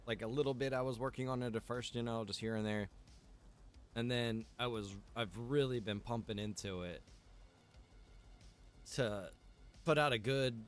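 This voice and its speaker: A man livestreaming a game, chatting casually and playfully with viewers in slangy talk. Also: mid-range voice. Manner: playful, slangy, addresses viewers as bro and dude. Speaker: live streamer. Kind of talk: casual livestream chat while gaming. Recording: music behind the voice. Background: music.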